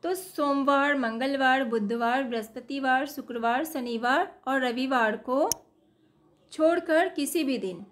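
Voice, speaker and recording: Woman teacher, patient step-by-step workbook walkthrough, high voice, unhurried delivery. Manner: patient, step-by-step, repeats "ठीक है". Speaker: teacher solving workbook exercises. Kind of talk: explaining a school workbook.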